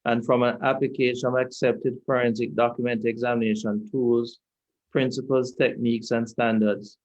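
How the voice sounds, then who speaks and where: A man with a Jamaican accent, a lawyer questioning a witness at an inquiry in a measured, deliberate, repetitive way. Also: mid-range voice, level tone, darkish tone, dull audio. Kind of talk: courtroom cross-examination. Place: inquiry hearing room.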